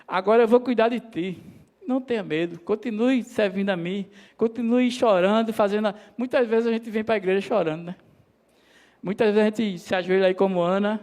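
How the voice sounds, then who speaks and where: A preacher with a high voice delivers a sermon in a church. He calls the congregation his brothers and drops his voice lower when quoting God. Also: darkish tone.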